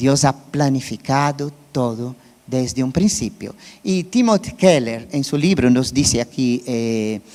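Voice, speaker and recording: A man with a Portuguese accent speaks at a very slow pace. His medium-pitched voice has a dark, mellow tone and ordinary pitch variation. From Brazil. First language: Portuguese (speaking Spanish). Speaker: Bible class teacher. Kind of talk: Bible teaching.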